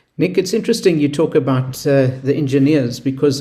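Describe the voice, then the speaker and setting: A man with a dark, mellow tone speaks amid audible room echo. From South Africa, Cape Town. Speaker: interviewer. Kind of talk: interview.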